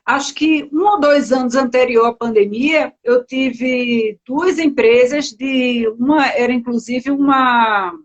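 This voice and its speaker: A woman's voice: sits high, highs cut off. A woman from Recife with a Pernambuco accent, talking as a guest in a live interview and rambling with many fillers. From Recife, Brazil. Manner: chatty, many fillers and self-corrections. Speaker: entrepreneur, guest. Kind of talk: casual live-stream interview.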